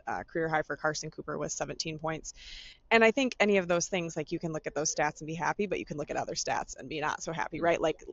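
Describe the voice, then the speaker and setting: A woman co-hosts a casual sports podcast, talking in an animated way and leaning on lots of "like" fillers. Her voice comes through dry, with no room sound. The audio is dull and lo-fi. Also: low voice, no room sound. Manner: animated, speaks with frequent "like" fillers. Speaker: podcast co-host. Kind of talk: casual sports recap chat.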